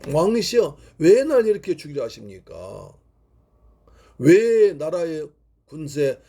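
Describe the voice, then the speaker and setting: An earnest young warrior who has been wronged speaks in solemn biblical phrasing, as a preacher acts him out in a sermon. The man's voice is gravelly and husky, with a dark tone. His pitch swings widely as he presses his case. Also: heavily acted. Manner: solemn biblical-style address, rebuking then pleading. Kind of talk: dramatized scripture quotation in a sermon.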